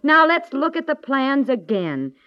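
A coaxing American housewife from a 1950s radio comedy. Her voice is high and very animated, naive and soothing by turns. The recording is muffled and old. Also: a little slow. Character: coaxing, practical-minded but naive wife, adult woman.

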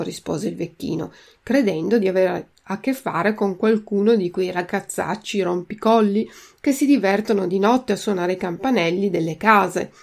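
Brief: woman narrator, gravelly voice, storybook read-aloud for learners, careful diction. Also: mid-range voice, a little mellow. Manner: slow, careful enunciation. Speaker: reader and language teacher. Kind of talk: storybook reading with vocabulary drill.

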